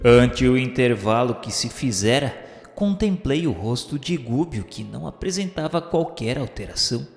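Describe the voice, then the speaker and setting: A man's voice: mid-range voice, expressive, normal speed, gravelly. A man narrating a scripted radio drama in the role of storyteller. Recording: echoey hall reverb with music behind.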